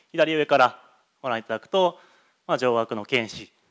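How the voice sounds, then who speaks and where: Against a quiet background, a man talks fairly quickly with lively intonation. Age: 30s. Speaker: endodontist lecturer. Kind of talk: lecture. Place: hall. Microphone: handheld.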